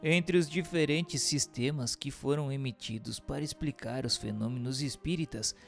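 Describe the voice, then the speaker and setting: An earnest inquirer played by a man puts questions in formal, methodical radio drama speech. His male voice sits at a middle pitch with a gravelly creak, and music plays softly behind him. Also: normal speed, close to an everyday voice. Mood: methodical, inquiring.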